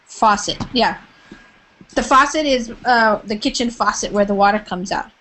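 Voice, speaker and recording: A woman running a relaxed online English lesson, her voice sitting a little higher than most. She keeps drawing students out with question after question and warm encouragement. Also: moderate pace. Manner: encouraging, asks many questions. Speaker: English teacher. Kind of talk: online group class.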